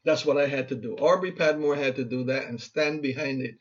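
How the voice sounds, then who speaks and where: A man's voice: medium pitch, fairly even intonation, a little fast. Earnest Barbadian man in his fifties. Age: 50s. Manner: earnest, exhorting, repeats himself for emphasis. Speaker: motivational speaker and radio host. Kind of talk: motivational talk. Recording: muffled lo-fi recording.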